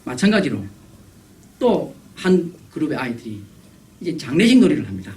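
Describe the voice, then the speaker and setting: A man preaching a revival sermon as guest pastor, animated and acting out the voices he quotes. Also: a little high, normal speed, distant mic, rough recording. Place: church sanctuary.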